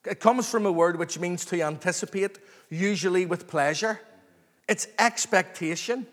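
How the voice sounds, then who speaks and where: A man preaching an expository sermon to a congregation, earnest, excited and emphatic, repeating phrases and calling for response. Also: high voice, moderate pace. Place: large reverberant room, live before a congregation. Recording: long hall reverb.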